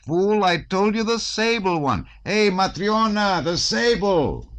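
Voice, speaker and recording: A man voicing a brash, bossy, swaggering man in an audiobook, forceful and commanding. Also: medium pitch, expressive, moderate pace, pitched above the performer's own voice, lightly acted. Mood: angry shouting.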